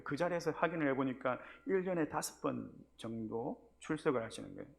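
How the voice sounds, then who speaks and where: A man's voice: medium pitch, lively intonation, a little fast, vocal fry. A middle-aged male pastor giving a sermon, telling a personal story and acting out the voices in it. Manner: storytelling, acting out his own scolding voice.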